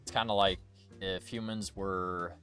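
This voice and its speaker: A man's voice: deep voice, fairly even intonation, unhurried, pushed and bright, soft background music. A young man chatting casually as a streamer, rambling and joking with plenty of swearing. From United States. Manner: rambling, jokey, profane. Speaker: VTuber streamer.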